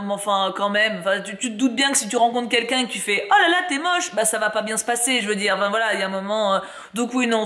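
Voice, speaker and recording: A woman's voice: a little high, fairly bright tone. A young woman reviewing books in casual chat, chatty and slangy, laughing often. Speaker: book reviewer. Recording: echoey room.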